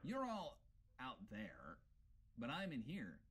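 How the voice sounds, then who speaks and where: A man acting a conflicted character in a web series, musing haltingly as he questions himself. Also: medium pitch, wildly swooping pitch, a bit bright, slightly rough, exaggerated voice.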